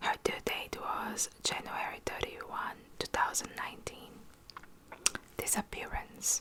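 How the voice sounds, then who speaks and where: Fairly slow whispering from a woman, noticeable background noise behind it. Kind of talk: ASMR true crime storytelling. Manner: whispered.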